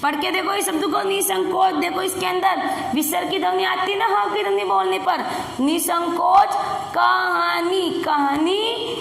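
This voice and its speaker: A woman's voice: very high voice, steady tone, moderate pace, vocal fry, few pauses, a bit bright. A woman teaching young children a Hindi lesson, sounding out words syllable by syllable and asking coaxing questions. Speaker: primary school Hindi teacher. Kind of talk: recorded classroom lesson. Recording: echoey room with long reverb.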